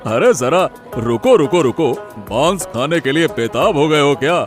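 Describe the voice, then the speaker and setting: Laid-back cartoon village guy, slow lively talk, always half laughing, a man doing him. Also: a little high, soft background music. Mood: jovial. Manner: chuckling, easygoing. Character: jovial male village householder, indulgent.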